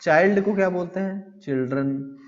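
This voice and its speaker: A man teaching English grammar in a classroom style. He reads English lines slowly, explains them in Hindi, and asks questions that he answers himself. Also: high-pitched. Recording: dull lo-fi audio with long reverb.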